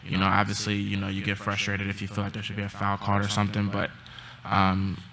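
Subdued young man, flat low voice. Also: vocal fry, crowd noise. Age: young adult. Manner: subdued, halting, many ums. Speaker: college basketball player. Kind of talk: postgame press conference answers. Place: press conference room. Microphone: table mic.

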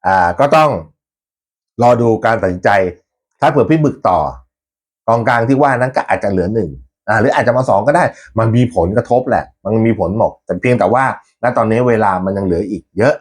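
Chatty man hosting a football fan channel. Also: mid-range voice. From Thailand. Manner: chatty, rambling, laughs often, mild swearing. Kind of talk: casual fan commentary to viewers.

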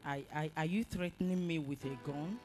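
A woman's voice: low voice, moderate pace, darkish tone, soft background music, lightly acted. A young woman playing a confident Christian student who scolds and preaches.

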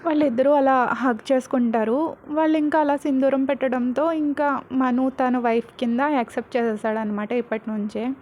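A woman narrating a fan-written serial story, reading in a plain, steady way. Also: sits high, moderate pace, a little hiss or hum.

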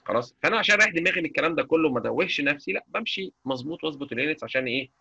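Egyptian man with an Egyptian Arabic accent, live software lecturer, husky, dry close sound, keeps asking if you follow. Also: fairly high pitch, expressive, racing, no echo. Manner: chatty, checks understanding constantly. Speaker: software instructor. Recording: dull lo-fi mic.

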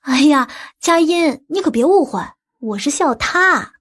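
A woman's voice: high-pitched, expressive, measured pace, fairly bright tone. A woman playing a pert, teasing businesswoman in an audiobook, with a coquettish, reproachful manner. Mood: apologetic, amused.

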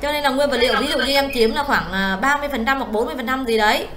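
A woman, tutoring a student one-on-one in accounting software, explaining step by step and often checking that she is understood. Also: high-pitched, racing, slight background noise.

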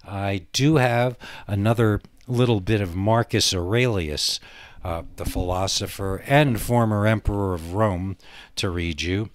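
Low-voiced man rambling on a podcast. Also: a little slow. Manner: digressive, hesitant. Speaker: podcast host. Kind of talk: rambling casual solo monologue.

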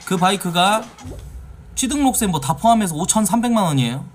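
A man streaming a game live, talking casually and yelling and swearing at it. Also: sits high, brisk, slight background noise. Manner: excitable, swears and yells at the game.

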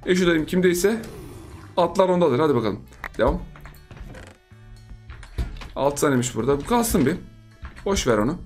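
Excitable man doing playful game commentary. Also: on the high side, normal speed, pauses often, faint music behind. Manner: excitable, playful, teasing opponents; chants repeated words in a sing-song way. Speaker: gaming YouTuber. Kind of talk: live gameplay commentary.

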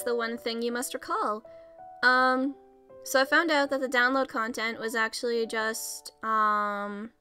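A young woman hosting a let's play, rambling casually and laughing at herself as she clicks through game menus. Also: fairly high pitch. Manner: chatty, giggly, self-deprecating. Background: soft background music.

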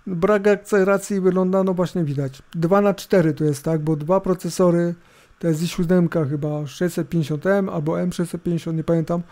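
A middle-aged man with a fairly high, soft-edged voice narrates a screencast casually. He rambles informally and hesitates, tossing in little tag questions. His voice has a gravelly creak, and a laptop fan hisses behind him. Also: fairly even intonation, a little fast. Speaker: host of a tech review video. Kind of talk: casual, unscripted screencast commentary. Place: indoors at a computer. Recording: hissing laptop fan noise. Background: laptop fan hum.

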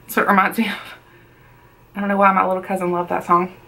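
Her voice gravelly and sharp, a beauty vlogger in her thirties chats while applying makeup at a desk in a small bedroom. She talks at a quick pace with flat delivery and medium pitch, repeats words for emphasis, and mentions feeling she's losing her voice during this casual get-ready-with-me.

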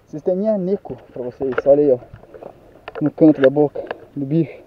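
A young man with a Brazilian Portuguese accent and a fairly high voice, breathless and exclaiming as he talks to his viewers outdoors. His camera mic makes the sound dull and lo-fi, with a faint hiss behind him. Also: normal speed. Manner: excitable, exclaiming, talking to viewers. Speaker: fishing vlogger. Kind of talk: excited outdoor fishing commentary. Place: outdoors on a riverbank. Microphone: handheld camera mic.

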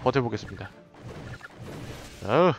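A man giving excited, running commentary while playing a tower defense game, often laughing and reacting out loud. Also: medium pitch, unhurried, soft background music. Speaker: game streamer. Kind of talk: live gameplay commentary.

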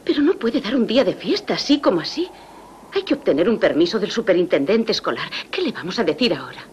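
A woman's voice: mid-range voice, sing-song, fast talker, a little mellow, a little hiss or hum, natural voice. A woman dubbing a composed, firm young nun who runs a parish school in an old film. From Sweden. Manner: proper, composed, mildly reproving. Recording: muffled old film soundtrack.

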